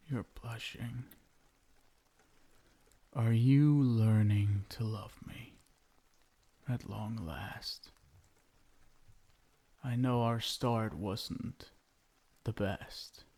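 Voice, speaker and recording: Vampire husband, male actor, ASMR roleplay: obsessive and doting with menace underneath, dark mellow tone, gravelly fry, hushed intimate delivery. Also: mid-range voice, full character voice. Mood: smug, tender. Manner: hushed, crooning, lingering pauses, tender pet names. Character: possessive, lovestruck yandere vampire husband, menacing yet doting.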